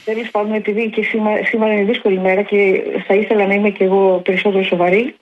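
A woman's voice: medium pitch, flat delivery, crowd noise. A woman calling a radio show, speaking earnestly and hesitantly, with many fillers. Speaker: caller. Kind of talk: phone-in call. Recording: muffled phone line with faint hiss.

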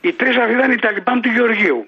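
A man's voice: extremely high pitch, a crowd in the background. A man calling in to a radio show, talking insistently and repeating himself for emphasis, heard over a muffled phone line. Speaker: caller. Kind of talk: call-in radio complaint.

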